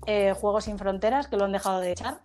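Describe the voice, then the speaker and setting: A woman's voice: medium pitch, fast talker, a little mellow, soft background music. A woman tattoo artist, a guest chatting casually on a podcast, swearing and laughing easily.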